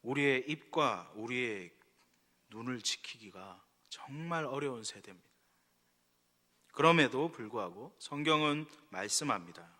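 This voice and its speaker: Korean pastor preaching in a reverberant church. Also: male voice, medium pitch, expressive, a little slow, pushed and bright. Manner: conversational storytelling that rises to emphatic exhortation. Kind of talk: sermon. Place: church sanctuary. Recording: long reverb from a church hall.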